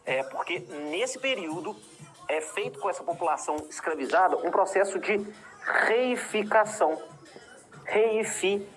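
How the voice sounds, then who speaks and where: A woman's voice: medium pitch, animated, normal speed, faint music behind. A woman with a Brazilian Portuguese accent teaching a history lesson, explaining patiently and checking in with her students often. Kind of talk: recorded classroom lesson.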